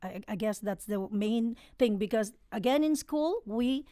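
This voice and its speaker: A woman with a Filipino accent chats as a guest, her voice a bit high and bright-toned. She speaks in warm, halting English, laughs easily, and sits close to a dry, deadened mic. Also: animated, no room sound. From Philippines. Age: adult, sang professionally since eighteen. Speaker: guest singer. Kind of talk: casual interview chat. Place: podcast studio.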